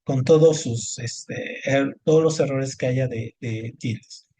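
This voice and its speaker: A man tutoring over a video call, speaking in a patient, encouraging way. He fills his explanations with little fillers and checks in with the student often. His pitch sits at an ordinary middle height for a man. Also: slow pace, warm tone. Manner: patient, encouraging, many fillers like este and ujú. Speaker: Spanish teacher. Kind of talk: online tutoring lesson over screen share.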